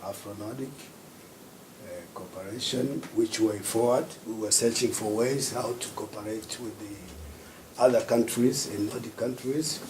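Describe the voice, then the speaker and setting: A man from Tanzania, speaking unhurriedly as a panelist at a symposium and pausing often to find his words. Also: mid-range voice, fairly even intonation. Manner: unhurried, searching for words with many pauses. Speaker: panelist, festival director. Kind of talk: panel discussion talk. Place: symposium hall. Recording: roomy hall with background noise.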